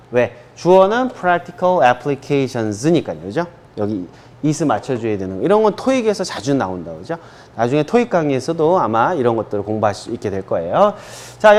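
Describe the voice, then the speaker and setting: A man from South Korea teaching an English grammar lesson in Korean, checking in with listeners often and slowing way down to model English phrases for repetition. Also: on the high side. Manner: drills students with frequent "그죠?" and slow English repeats.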